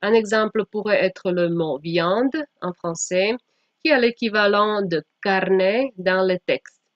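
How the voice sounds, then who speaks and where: A woman from Slovakia, a non-native speaker whose first language is Slovak, giving an academic presentation in a halting way with frequent self-corrections. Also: medium pitch, dry recording. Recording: dull lo-fi microphone sound.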